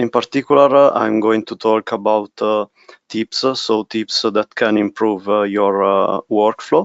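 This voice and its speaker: With an Italian accent, a man talks at a medium pitch. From northern Italy. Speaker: software technical specialist. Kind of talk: webinar presentation. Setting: online webinar. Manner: halting, many fillers.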